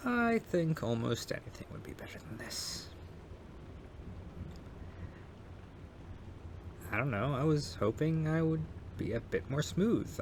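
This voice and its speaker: A man's voice: on the high side, a little hiss or hum. A man acting a cute, bashful young neighbor with a crush in an intimate ASMR roleplay, hesitant, sweet and teasing. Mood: bashful, sheepish. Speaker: audio roleplay performer. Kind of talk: intimate ASMR romantic roleplay, soft acted monologue.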